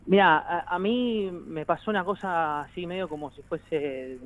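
A man's voice: a little high, measured pace, rough recording. Joking argentine man on the line. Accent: Argentine Spanish. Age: 30s. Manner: rambling, joking, laughs often. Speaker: musician guest. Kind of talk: casual interview chat.

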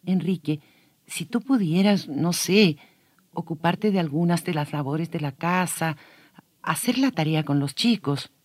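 A man voicing a tired, overworked wife who pleads softly with her husband in a children's radio story. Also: on the high side, a little slow, no echo. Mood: weary. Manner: soft, pleading. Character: weary, overworked young wife.

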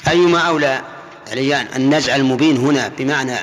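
An older man with a Saudi Arabic accent teaching a classroom lesson, quizzing students by name in a brisk, probing way. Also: mid-range voice, a bit bright. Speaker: sheikh teaching Quran exegesis. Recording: long hall reverb.

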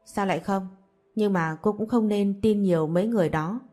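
A woman's voice: mid-range voice, fairly quick, dark tone, close to an everyday voice. A woman voicing a stern, blunt young father who talks in a curt, lecturing way.

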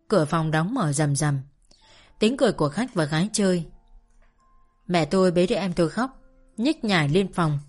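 A woman reading a first-person story aloud in a calm, measured narration. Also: on the low side. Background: faint music.

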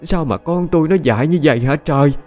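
A man's voice: on the high side, fast, darkish tone, faint music behind, pitched above the performer's own voice, natural voice. A man voicing a distraught older village mother in an audio story, pleading through tears. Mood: wailing. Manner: tearful, pleading lament.

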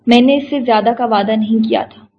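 A woman's voice: a little high, dull audio, slight background noise, natural voice. A woman voicing a serious, commanding man who speaks firmly and with authority, in a storybook reading. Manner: firm, authoritative.

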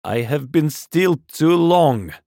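Half-mad curate, loud, high and wailing. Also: male voice, expressive, slow, vocal fry, dry recording, clean studio sound, heavily acted. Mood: frenzied, defiant. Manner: declamatory, loud, wailing preacher. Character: half-mad, fervent male curate crying doom and repentance. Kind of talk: audiobook character acting.

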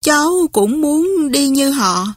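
A woman voicing a spoiled, hot-tempered young widow in a storybook reading, with a petulant, shrill manner. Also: lively intonation, slow pace, no room sound, studio quality. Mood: apologetic.

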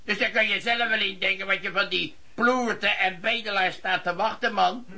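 Gravelly, sharp lodging-house boss. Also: male voice, sits high, fairly even intonation, moderate pace, full character voice. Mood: scornful, menacing. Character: gruff, threatening lodging-house boss, man. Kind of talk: Dutch radio play acting.

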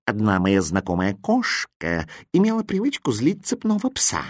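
A man voicing a sober, grumbling house cat in a storybook audiobook, speaking low, slow and quietly. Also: huge pitch swings, no room sound, studio quality.

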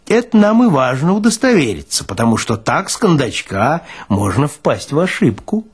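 Man playing a pompous, stubborn older morgue orderly, husky. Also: a little high, sing-song, moderate pace, full character voice. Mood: stolid, pedantic. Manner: pompous, pedantic, colloquial. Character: stolid older morgue orderly, self-important, unhurried, stubborn.

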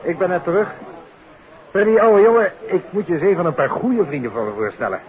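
An actor playing a hearty, familiar friend who makes introductions in a 1950s radio drama. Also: male voice, high-pitched, lively intonation, brisk, a faint crowd. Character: hearty, clubby male friend making introductions. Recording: dull, noisy old radio recording.

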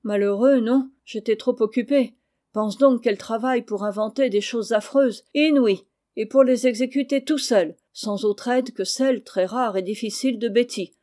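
A woman's voice: on the high side, moderate pace, mellow, close to an everyday voice. A woman reading the part of an impulsive, mischievous orphan boy, talking eagerly in a storybook. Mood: excited. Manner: eager, pleading.

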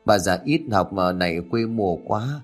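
A man voicing a humble, grieving old grandmother in a spoken ghost story, talking in a gentle, coaxing way. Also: sits low, lively intonation, normal speed, soft background music. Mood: tender, coaxing.

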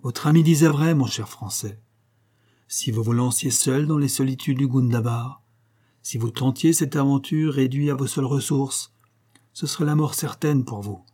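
A man voicing a calm, wise Hindu guide who speaks in a measured, solemn way. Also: medium pitch, lightly acted.

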